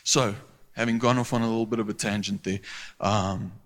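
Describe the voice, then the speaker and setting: A man's voice: fairly low pitch, fairly even intonation, fairly quick. A man preaching a sermon as a pastor, earnest and rising to emphatic, pleading peaks. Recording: long hall reverb.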